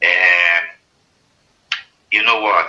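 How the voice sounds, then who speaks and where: The pace of this man's speech is very slow. He has a Brazilian accent. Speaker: former journalist, meditation center leader. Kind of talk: interview.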